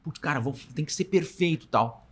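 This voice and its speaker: A man's voice: fairly high pitch, moderate pace, a bit bright, slightly rough. A man with a southern Brazilian accent chatting casually as a podcast guest, slangy and anecdotal, acting out bits of imagined dialogue. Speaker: podcast guest, startup founder. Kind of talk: casual interview talk.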